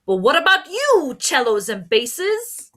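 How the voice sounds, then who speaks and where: Vain, excitable male inspector for a storybook, played by a woman. Raised pitch, animated, self-important. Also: slow, heavily acted. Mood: accusing.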